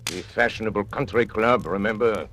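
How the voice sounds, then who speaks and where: An actor playing a sinister agent who narrates and taunts powerful men in theatrical 1940s radio acting. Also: male voice, fairly low pitch, moderate pace, fairly bright tone, a little hiss or hum, natural voice. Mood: menacing. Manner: menacing, mocking, theatrical. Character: sinister male confidential agent turned blackmailer.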